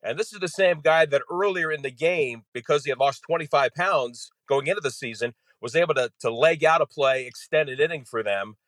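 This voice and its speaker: A man's voice: on the high side, brisk, hardly any pauses, fairly bright tone, dry recording. Man recounting a baseball game in detail. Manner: detailed storytelling, frequent "you know". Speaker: radio play-by-play announcer, guest. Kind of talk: conversational game analysis.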